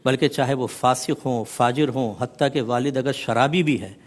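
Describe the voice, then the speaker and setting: A man, a mufti, giving a measured religious explanation on a TV talk show, listing points in rhythmic series and mixing in English words. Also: medium pitch.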